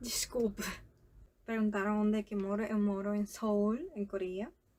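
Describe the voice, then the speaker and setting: A woman with a strong Latin American Spanish accent, dark and mellow in tone, at a moderate pace with monotone, flat intonation. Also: medium pitch for a woman. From South America. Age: 20s. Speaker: vlogger and English teacher. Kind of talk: casual vlog talk. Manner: unscripted, natural.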